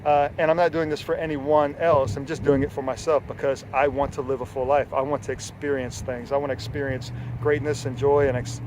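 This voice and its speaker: A man's voice: medium pitch, noisy background. A man in his forties, a health coach, giving an earnest, rambling motivational talk with many fillers and casual swearing. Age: 40s. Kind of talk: unscripted motivational talk to camera.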